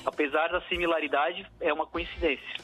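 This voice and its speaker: Bright-voiced southern Brazilian man. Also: fairly high pitch, steady tone, brisk, faint music behind, low-quality recording. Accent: southern Brazilian Portuguese. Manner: reflective, many fillers and restarts. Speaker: musician guest. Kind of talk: radio interview answers.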